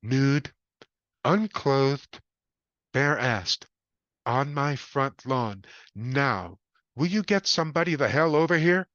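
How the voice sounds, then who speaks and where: A man's voice: lively intonation, a little slow, fairly bright tone, no echo, muffled recording. A man doing a frantic panicked homeowner. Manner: shrill, desperate, raised voice.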